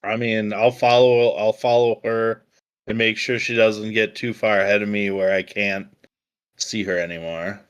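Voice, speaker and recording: A man playing a tabletop game, thinking aloud in a deliberate way. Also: lowish voice, flat delivery, fairly bright tone, smooth. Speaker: player.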